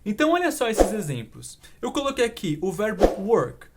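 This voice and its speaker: A young Brazilian man with a Brazilian Portuguese accent, giving an online English lesson and slowing down for the English examples. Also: sits high, heavy background noise. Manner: animated explaining, slows down for English examples. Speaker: English teacher.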